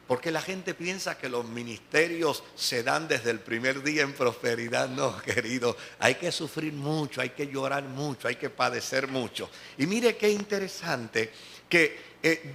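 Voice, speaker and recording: Dominican pastor, bright, slightly high voice, storytelling sermon with quoted dialogue, faint room hum. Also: male voice. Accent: Dominican Spanish. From Dominican Republic. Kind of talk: sermon with personal testimony. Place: church service.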